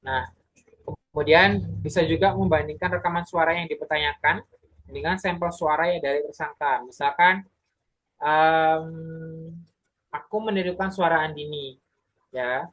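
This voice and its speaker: A young adult presenter giving a casual explanatory talk to a community group, pausing often with filler sounds and correcting themselves mid-sentence. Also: mid-range voice, a bit bright, rough recording. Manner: hesitant, many filler sounds and self-corrections.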